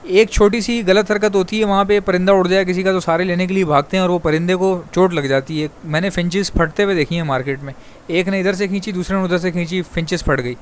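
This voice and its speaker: A man from Pakistan who vlogs about breeding birds, talking quickly and chattily to his viewers and calling them brother. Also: sits high, fairly even intonation, slight background noise. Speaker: bird breeder vlogger. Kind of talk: fast casual monologue to viewers.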